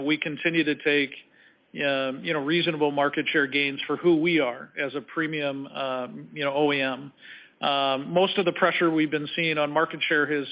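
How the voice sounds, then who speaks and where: A man speaking as a company executive on an earnings call, answering in measured, halting corporate phrasing. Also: on the high side. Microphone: conference call line. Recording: slightly dull conference call audio.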